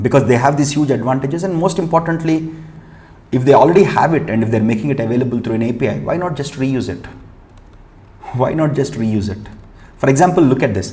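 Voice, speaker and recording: A man with an Indian accent at a very fast pace and medium pitch, with long, frequent pauses and audible room echo. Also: ordinary pitch variation. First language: Telugu. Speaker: online course instructor. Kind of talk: live-streamed lecture. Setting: live stream. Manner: repetitive, conversational.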